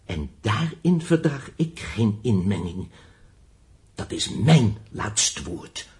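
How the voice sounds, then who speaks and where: An earnest young teacher and inventor in a radio drama. He is stubborn and idealistic, with a lonely streak. His delivery is deliberate and emphatic, with pitch that rises and falls dramatically. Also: sing-song, darkish tone, slight background noise. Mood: defiant, resolute. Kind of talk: Dutch radio play acting.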